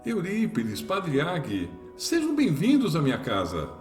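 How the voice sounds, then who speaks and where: A man's voice: a little high, huge pitch swings, unhurried, a little mellow, faint music behind. A man playing a genial, formal colonel who hosts and moderates, in a courteous radio drama style. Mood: genial, welcoming. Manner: courteous, ceremonious. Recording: echoey room.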